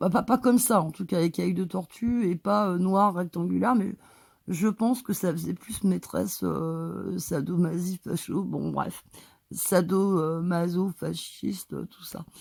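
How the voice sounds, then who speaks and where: A woman's very slow speech on a very clean recording with a silent background. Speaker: vlogger. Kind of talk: casual monologue. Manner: hesitant.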